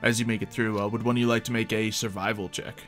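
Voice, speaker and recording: A man acting as game master, improvising tabletop roleplay narration in an informal, halting, conversational way. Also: on the low side, flat delivery, over loud music.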